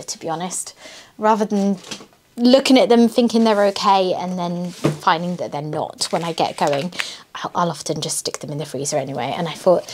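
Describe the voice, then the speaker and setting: A middle-aged British woman with a slightly husky voice and a slight cough, chatting casually as she crafts. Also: mid-range voice. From United Kingdom. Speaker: craft channel host. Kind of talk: casual chat while crafting. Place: indoors at a wooden table. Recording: clear background noise, handling crinkles. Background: crinkling and clicks of craft materials.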